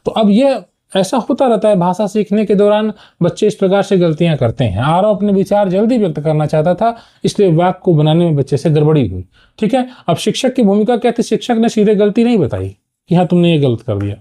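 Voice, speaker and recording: A man's voice: high-pitched, expressive, a little fast, warm tone. A man teaching an exam-prep lesson, explaining step by step and often checking in with "okay". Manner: explanatory, frequent "ठीक है" checks.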